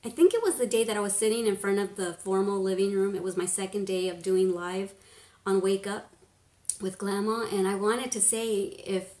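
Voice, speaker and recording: A woman in her fifties chatting casually on a home live stream, rambling, laughing often and sometimes dropping to a hush. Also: medium pitch, steady tone, normal speed. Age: 50s. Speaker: beauty vlogger, live stream host. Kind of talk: casual live-stream chat reading comments. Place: living room at home, indoors. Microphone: webcam at desk distance. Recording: echoey room.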